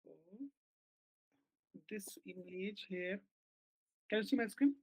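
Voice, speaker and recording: Halting man explaining a bug. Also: sits high, a little mellow, dry recording. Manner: halting explanations full of fillers and restarts. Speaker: software engineer. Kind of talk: work meeting on a video call. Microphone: video call. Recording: dull lo-fi call audio.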